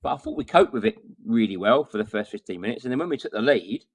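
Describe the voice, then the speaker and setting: A man giving measured, conversational football analysis as a podcast guest. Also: mid-range voice, huge pitch swings, creaky, slightly rough, dry recording. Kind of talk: casual football chat.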